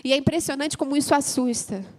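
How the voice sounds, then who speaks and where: A woman pastor with a Brazilian Portuguese accent preaches in a high, bright voice that carries. She tells her story with vivid back-and-forth dialogue and swells into loud, fervent prayer. The sound rings with the long reverb of a church hall. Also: quick pace. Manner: storytelling, acting out both sides of a marital argument. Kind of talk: sermon.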